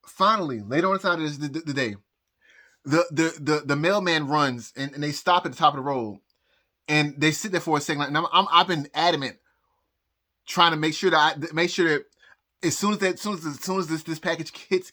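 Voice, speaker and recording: Recorded on a phone, this out-of-breath vlogger tells a rambling personal story to camera. His bright voice sits on the high side, and his speech halts, with repeated words, frequent pauses and nervous laughter.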